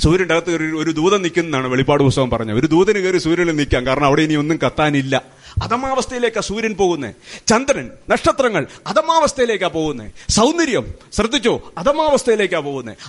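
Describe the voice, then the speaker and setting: This man's pitch rises and falls very sharply. His tone is animated. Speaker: preacher. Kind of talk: sermon.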